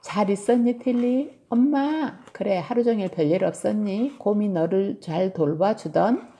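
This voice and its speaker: A woman's voice: mid-range voice, a little slow, mellow, lightly acted. A woman doing a kind, curious mother. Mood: caring. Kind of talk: storybook read-aloud.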